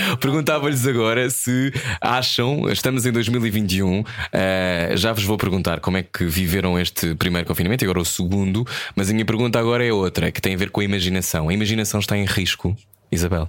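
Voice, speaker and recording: At a fairly quick pace, a man with an unremarkable speaking voice talks at a fairly low pitch, with ordinary pitch variation and very even loudness. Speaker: radio host. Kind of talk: radio interview.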